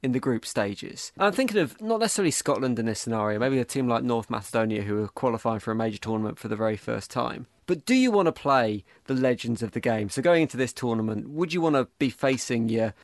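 A man's voice: medium pitch, lively intonation, quick pace, few pauses, no echo. A man interviewing a guest conversationally, putting long, wordy questions.

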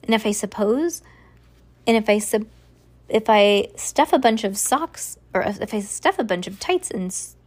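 Woman reading as a storybook mother, exasperated, brisk, scolding, mid-pitched voice. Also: lively intonation. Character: exasperated mother of a young girl.

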